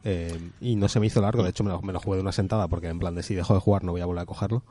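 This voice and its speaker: A man from tells gaming stories on a casual podcast. He talks quickly in a warm, mellow, fairly low voice. His delivery is animated, with casual swearing. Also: dry recording, faint music behind. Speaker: podcast co-host. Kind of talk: casual chat about video games.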